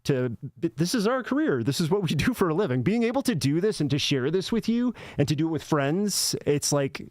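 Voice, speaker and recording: A man co-hosting a casual gaming livestream, earnest and halting, often repeating words and filling pauses with uh. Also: a little high, sing-song, a little mellow, dry recording. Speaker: co-host of a gaming channel.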